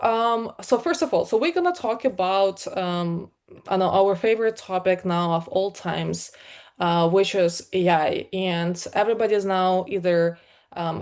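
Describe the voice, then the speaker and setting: Ukrainian-accented woman giving a lively talk. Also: lowish voice. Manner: many fillers, energetic and conversational. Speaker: conference speaker, product leader. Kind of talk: live talk to an online meetup.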